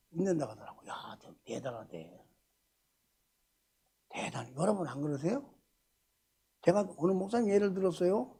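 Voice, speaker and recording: Husky older pastor with a lively voice. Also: male voice, sits high. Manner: emphatic, swings from loud exclamations to hushed asides; fires rhetorical questions at the congregation. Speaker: senior pastor. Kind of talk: sermon. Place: church during a Friday service.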